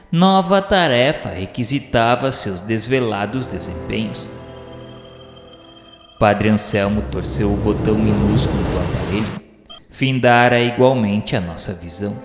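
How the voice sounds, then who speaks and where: A man with a Brazilian accent narrating a radio novel in a solemn, literary, theatrical way. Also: mid-range voice. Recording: echoey, long reverb, music underneath.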